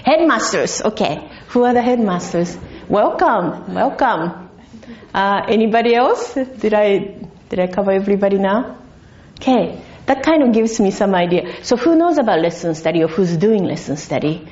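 Mellow woman lecturing. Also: medium pitch, lively intonation, moderate pace, lo-fi sound. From Japan. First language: Japanese. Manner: chatty, many restarts, polls the audience. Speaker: guest lecturer. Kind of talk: conference talk to an audience. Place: darkened lecture hall.

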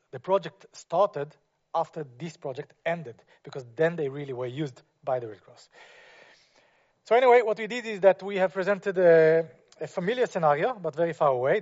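A man's voice: fairly high pitch, a little mellow. Hesitant man giving an architecture talk. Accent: non-native English speaker. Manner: hesitant, many fillers and restarts. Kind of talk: presentation to an audience. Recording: muffled, lo-fi.

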